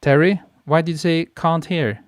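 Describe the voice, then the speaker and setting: A photographer hosting a live stream, chatting casually and reading out viewer comments, relaxed and quick to laugh, speaking into a podcast mic. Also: male voice, on the high side, no echo, studio quality. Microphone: podcast mic on a boom arm.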